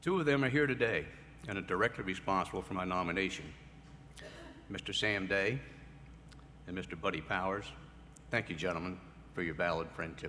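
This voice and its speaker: A man's very deep, low voice with an American accent and lively intonation at a fairly quick pace, broken by long, frequent pauses, amid noticeable background noise and audible room echo. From Edgewood, Maryland, US. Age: 70s. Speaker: hall of fame inductee, businessman. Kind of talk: acceptance speech. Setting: auditorium ceremony with audience.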